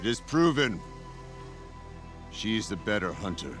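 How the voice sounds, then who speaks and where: An actor playing a proud, stern tribal hunter chieftain in a video game, speaking in a solemn, formal and declamatory way with a gravelly voice. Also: male voice, fairly low pitch, big pitch swings, unhurried, faint music behind. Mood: solemn respect. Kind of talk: dramatic video game acting.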